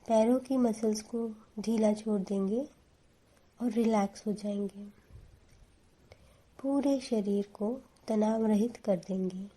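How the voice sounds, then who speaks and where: A woman giving guided meditation instructions in a calm, soothing, deliberate manner. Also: a little high, slightly rough.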